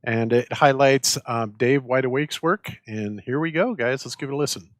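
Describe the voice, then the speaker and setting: A man's voice: medium pitch, moderate pace, no echo, studio quality. A man casually hosting a talk show with other guests. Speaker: show host.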